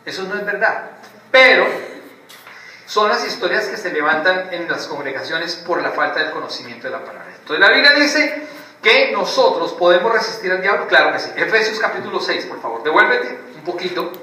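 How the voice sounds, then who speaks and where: A man preaching a sermon in an animated way, mocking the way other preachers act out their impressions. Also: high-pitched, brisk. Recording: echoey room heard from a distance, faint background noise.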